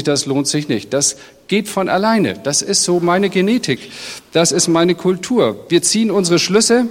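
A middle-aged man, a pastor, giving a sermon in a direct, conversational way and speaking straight to his congregation. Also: fairly high pitch. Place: church hall. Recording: long reverb of a church hall.

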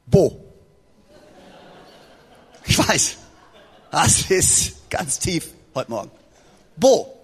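A man preaching a sermon to a congregation, lively and joking as he speaks straight to his listeners. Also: a little high, slow, breathy edge. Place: church hall. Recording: long reverb of a large hall.

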